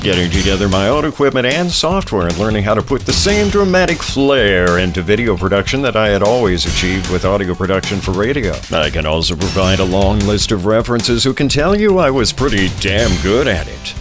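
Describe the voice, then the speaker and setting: A middle-aged American man delivering scripted promotional narration in a polished announcer style, pitching himself as a voiceover and radio professional. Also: very animated, fairly quick, few pauses. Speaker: voiceover artist and radio production director. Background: music bed under the voice.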